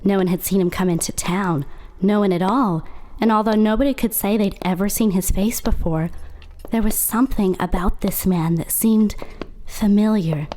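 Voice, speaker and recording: An actress playing a young small-town narrator of a horror audio drama, wry, measured and knowing. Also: female voice, mid-range voice, mellow, close to an everyday voice, poor audio. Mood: wry, ominous.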